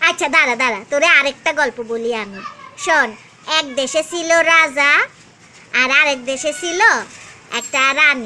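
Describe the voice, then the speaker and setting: Using a put-on character voice, a woman drawls at a high pitch and a fairly slow pace, with ordinary pitch variation. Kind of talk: bedtime story. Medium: comedy sketch. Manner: slow, repetitive, drawling.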